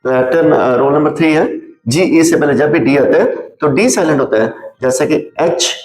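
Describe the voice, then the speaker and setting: A man teaching a spoken lesson, saying each example word over and over so it sticks. He works through rules one by one and slows down for short English sample sentences. His voice rings a little in an echoey room, with faint music underneath. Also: fairly high pitch, a little mellow. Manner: drills each word by repeating it several times.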